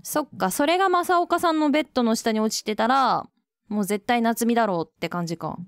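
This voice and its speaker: A woman giving chatty, casual commentary while playing a game, reacting quickly between reading lines. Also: a little high, smooth, no echo, studio quality. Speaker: let's play host.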